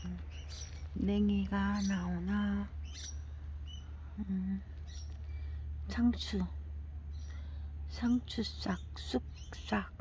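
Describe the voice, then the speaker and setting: An older woman talking slowly to herself while tending plants in a casual gardening vlog, often dropping into a half whisper. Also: medium pitch, fairly even intonation, creaky, mellow, slight background noise. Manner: slow, murmuring, often drops to a half whisper. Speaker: gardening vlogger.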